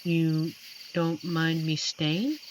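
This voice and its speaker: A performer voicing an amiable, shy werewolf forest protector in a roleplay audio drama, speaking gently and hesitantly with earnest pauses. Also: mid-range voice. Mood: gentle, reserved. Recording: noisy track with night cricket ambience. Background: crickets and night forest insect ambience.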